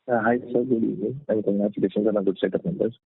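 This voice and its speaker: A man's voice: on the low side, steady tone, racing, gravelly, husky. A man with an Indian accent asking questions as an analyst on an earnings call, polite and hesitant. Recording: thin narrow-band phone line.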